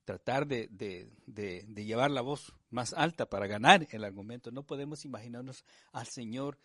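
A man delivering a sermon in a relaxed, conversational teaching style, often checking in with his listeners through short tag questions. His voice sits in an ordinary middle register, and he slows down and presses on the words when he reads scripture. The recording is close and dry, with almost no room sound. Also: mid-range voice, no room sound. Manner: reads scripture slowly and with emphasis. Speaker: preacher. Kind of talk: sermon, Bible study teaching.

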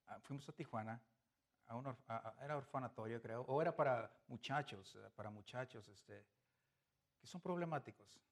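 A man with a Mexican Spanish accent delivers a sermon as a pastor. His voice swings between loud, emphatic bursts and soft, low asides, and he chuckles through his personal stories. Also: gravelly.

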